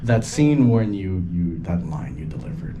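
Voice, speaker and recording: A man's voice: low-pitched, sing-song, measured pace. A man hosting a casual screening discussion, joking and self-mocking, recorded on a handheld phone in a venue. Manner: playful, camp self-mocking. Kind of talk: casual onstage interview. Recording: phone recording with background noise.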